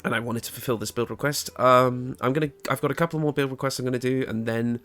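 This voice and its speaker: A man giving a casual, conversational video game guide, with a slightly raspy voice, a little hoarse from being under the weather. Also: mid-range voice, fairly even intonation, fast, fairly bright tone. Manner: informal, conversational. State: getting over an illness, slightly hoarse. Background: background music.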